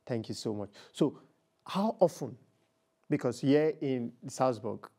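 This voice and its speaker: A man's voice: medium pitch, animated, a little slow, mellow. A man hosting a conversational interview, affirming his guest and echoing their words. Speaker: talk show host.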